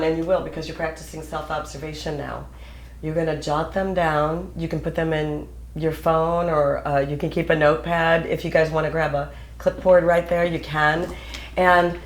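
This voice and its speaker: Middle-aged lady counselor, lowish voice, talks it through like a teacher, echoey room. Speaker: couples counselor. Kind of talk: counseling session, explaining.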